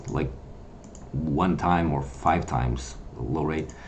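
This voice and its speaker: Amid audible room echo, a man with a Portuguese accent talks at a very slow pace with lively intonation. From Portugal. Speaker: gaming YouTuber. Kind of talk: casual gaming commentary. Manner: halting, many fillers and repeats.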